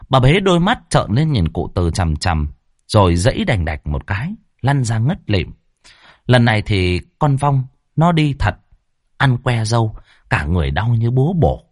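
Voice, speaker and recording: A man narrating a ghost story in a dramatic, lively storytelling manner. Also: fairly low pitch, dry recording, studio quality.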